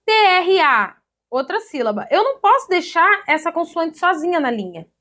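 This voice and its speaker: A Brazilian woman teaching an online grammar lesson in a lively, chatty way, often checking in with her students. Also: very high-pitched, normal speed. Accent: Brazilian Portuguese. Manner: lively, chatty, addresses students as "gente", ends points with "tá?".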